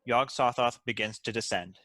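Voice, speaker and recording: A man's voice: medium pitch, moderate pace, pushed and bright, dry recording. A man reading stage directions aloud as scripted narration for a comedy script.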